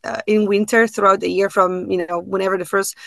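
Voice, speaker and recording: Italian woman, thirties, chatty guest on a video call, dead-dry close sound, middle pitch. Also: level tone, brisk, vocal fry, no echo. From Italy. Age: 30s. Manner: chatty, many fillers and restarts. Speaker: podcast guest. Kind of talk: casual chat. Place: home room.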